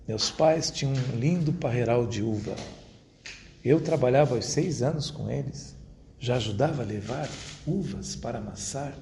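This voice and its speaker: A man's voice: mid-range voice, gravelly, warm tone. Man lecturing in an echoey hall. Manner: measured, rhetorical, addresses the audience directly. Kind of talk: academic lecture to an audience. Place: university lecture room. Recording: roomy echo, faint background noise.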